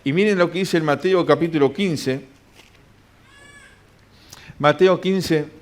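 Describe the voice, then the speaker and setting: A man's voice: fairly high pitch, takes it slowly. A man preaching a sermon in a church, reading scripture aloud and answering his own questions.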